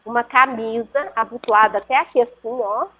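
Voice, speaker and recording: A woman's voice: fairly high pitch, moderate pace, fairly bright tone. A woman with a Brazilian Portuguese accent, telling a story as an interview guest over a video call, earnest and vivid, often checking in with her listener. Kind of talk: conversational storytelling. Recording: muffled lo-fi video call audio.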